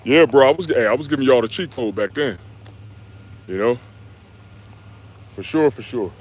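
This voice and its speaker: A young man from the United States, a fitness coach answering viewers' questions on a live stream in a relaxed, slangy way. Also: mid-range voice, moderate pace, a little hiss or hum. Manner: laid-back, slangy, talks straight to viewers with "y'all" and "man". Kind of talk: live stream Q&A, reading chat comments.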